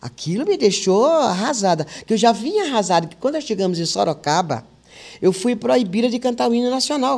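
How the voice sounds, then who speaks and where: A woman's fairly high voice at a fairly quick pace, with vocal fry and very wide pitch swings. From Paraíba, Brazilian Northeast. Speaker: radio presenter. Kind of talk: interview.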